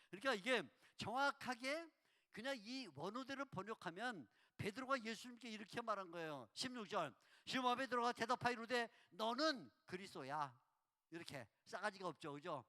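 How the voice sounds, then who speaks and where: Guy preaching a revival sermon, kinda high voice, playful, acts out the dialogue, lots of reverb from the big church. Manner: lively preaching, repeats key words for emphasis. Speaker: pastor. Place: church sanctuary.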